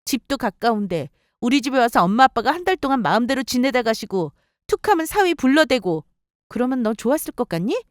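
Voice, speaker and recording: Expressive woman narrating a story. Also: on the high side, fairly quick, no echo, studio quality. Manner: expressive, sharp-tongued.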